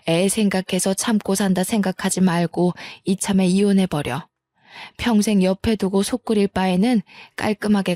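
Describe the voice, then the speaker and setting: A woman's voice: medium pitch, a little mellow, no echo, natural voice. A woman doing an indignant older housekeeper. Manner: scolding, indignant.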